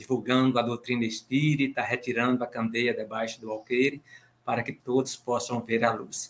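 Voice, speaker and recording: This man has an ordinary speaking voice at a medium pitch. He speaks at a moderate pace with fairly even intonation. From Bahia, Brazil (interior). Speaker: spiritist speaker, actor and poet. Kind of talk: religious study discussion. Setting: video call livestream.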